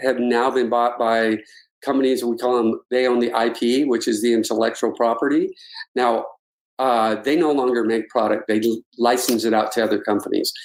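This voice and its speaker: Speaking at a moderate pace, a man keeps his medium pitch in a monotone, flat intonation. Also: very even loudness. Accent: American. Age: 70s. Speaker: surf industry veteran. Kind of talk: interview. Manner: halting.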